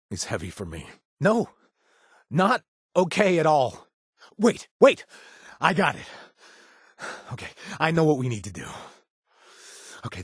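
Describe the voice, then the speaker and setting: A man's voice: medium pitch, fairly bright tone, slightly rough, dry recording, clean studio sound, heavily acted. An actor playing a nervous, wisecracking male raider companion in a video game, who rambles, jokes and corrects himself mid-sentence. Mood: shaken. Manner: rambling, self-correcting, jokey. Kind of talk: game character voice lines.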